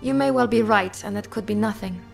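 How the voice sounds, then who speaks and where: A woman playing a stately empress in an audio drama, with formal, measured and commanding delivery. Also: mid-range voice, gravelly, faint music behind. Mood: grave, commanding.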